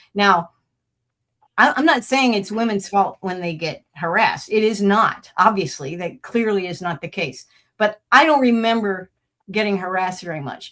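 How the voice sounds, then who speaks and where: Using a normal speaking voice, a woman at medium pitch talks at a moderate pace with lively intonation and big swings in loudness. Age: 60s. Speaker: military veteran guest. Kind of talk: casual talk radio discussion.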